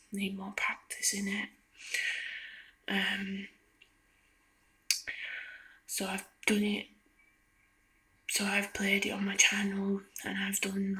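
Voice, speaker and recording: A woman whispers a casual, meandering ASMR ramble. Her breathy voice is bright and sibilant, staying almost completely level in pitch. She talks hesitantly, in soft, loosely strung phrases. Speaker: ASMR video creator. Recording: lo-fi ASMR recording.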